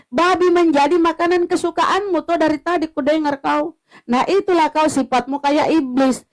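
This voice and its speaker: A woman's voice: sits high, steady tone, moderate pace. A woman arguing in a heated religious debate, mocking and confrontational, hammering the same points. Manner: mocking, confrontational, repetitive jabs.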